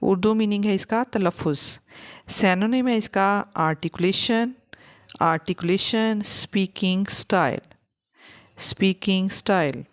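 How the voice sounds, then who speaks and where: A woman teaching English vocabulary, repeating each word slowly for learners. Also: medium pitch. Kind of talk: vocabulary lesson.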